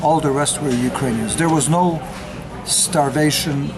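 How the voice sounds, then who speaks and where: An older man who grew up in the United States, a retired sociologist giving an unscripted personal account, often pausing on fillers as he speaks. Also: a little high, over music. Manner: halting, with frequent filler pauses. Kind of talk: unscripted spoken testimony.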